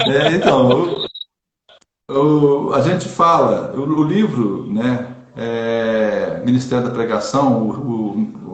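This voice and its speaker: A Brazilian Catholic preacher speaking in a casual online chat, earnest and emphatic, repeating phrases for stress. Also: male voice, mid-range voice, reverberant.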